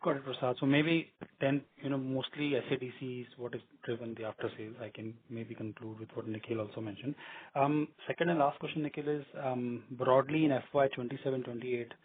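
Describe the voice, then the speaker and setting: Analyst man, monotone and husky, over a phone line. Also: medium pitch, a little fast. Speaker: analyst asking questions. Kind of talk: earnings call question.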